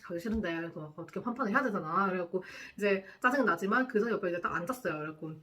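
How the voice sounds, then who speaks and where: A woman's voice: mid-range voice, a bit bright. A young woman, a nurse, tells a work story to camera in casual chat, acting out the quoted lines and laughing often.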